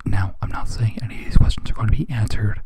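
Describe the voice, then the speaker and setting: A man hosting, confiding in viewers in a mock-earnest, stammering, breathy half-whisper. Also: lowish voice, steady tone, fast talker. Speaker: host. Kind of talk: confiding comic aside to viewers.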